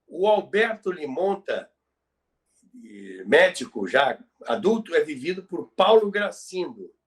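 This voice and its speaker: Brazilian male co-host, high-pitched, conversational storyteller with halting, repetitive phrasing. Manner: halting, repeats words for emphasis. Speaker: podcast co-host. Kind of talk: conversational storytelling about radio history.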